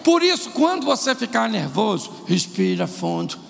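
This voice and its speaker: Man preaching in a big echoey hall, high gravelly voice, lively, faint noise behind. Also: moderate pace. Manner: animated preaching, acts out quarrels in put-on voices. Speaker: pastor. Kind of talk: sermon.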